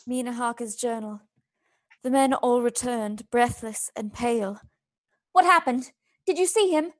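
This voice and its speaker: An actress as a frightened young wife in a radio drama, cursed by a vampire. Her voice is high, tender and anguished. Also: unhurried, lightly acted. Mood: anxious. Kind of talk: live radio play acting.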